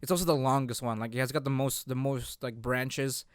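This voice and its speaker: A man hosting a casual podcast chat about games, halting as he repeats and rephrases himself. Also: medium pitch, fairly even intonation, no echo, clean studio sound. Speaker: podcast host.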